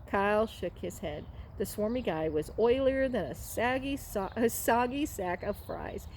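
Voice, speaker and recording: With a darkish, medium-pitched voice and lively intonation, a library reader narrates a children's storybook at a slightly slow pace. Now and then she trips on a word and reads it again. Noticeable room noise runs through the recording.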